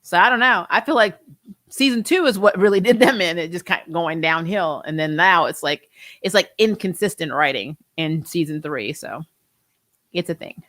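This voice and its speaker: Woman, 40s, casual chatty host. Rambling and animated, laughs often, dry close-mic sound. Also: on the low side, moderate pace, no echo. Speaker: host reading viewer comments. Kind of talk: casual livestream chat.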